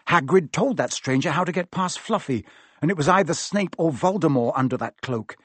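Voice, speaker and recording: An anxious, determined schoolboy wizard pressing his point with frantic urgency, as a man reads him. The voice is pushed higher than the reader's own, with lively swings in pitch. It is recorded dry and close. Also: brisk, husky, no room sound. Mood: urgent.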